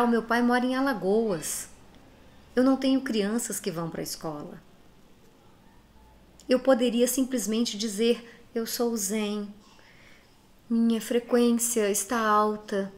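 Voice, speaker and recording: A woman from Brazil speaks straight to her audience with a cold in her voice. She is earnest and emphatic, pressing each point home as she urges her listeners to act. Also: fairly high pitch. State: has a cold. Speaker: speaker giving reflections to followers. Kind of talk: direct-address motivational talk.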